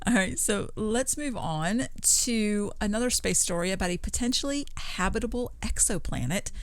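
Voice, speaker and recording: A woman's voice: medium pitch, expressive, moderate pace, no room sound. A woman co-hosting a podcast, chatting casually and agreeably as she discusses news items. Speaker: podcast co-host, news reader.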